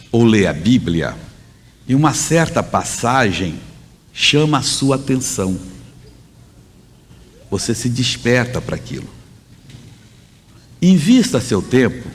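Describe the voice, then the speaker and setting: A man preaching a sermon in a conversational, emphatic way, often pausing to correct himself. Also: medium pitch. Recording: long hall reverb.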